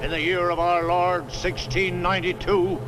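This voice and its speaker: Guy as a stern puritan witch-trial elder, highish voice, solemn old horror movie delivery, noisy audio. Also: flat delivery, normal speed, lightly acted. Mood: solemn, condemning. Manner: solemn, declamatory, archaic formal speech. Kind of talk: 1960 horror film acting. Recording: noisy old film soundtrack, outdoor ambience.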